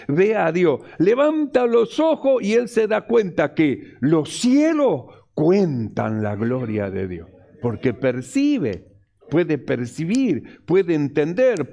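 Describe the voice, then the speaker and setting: A man's voice: high-pitched, creaky, mellow, highs cut off. A male pastor, preaching a sermon emphatically and repeating his key phrases.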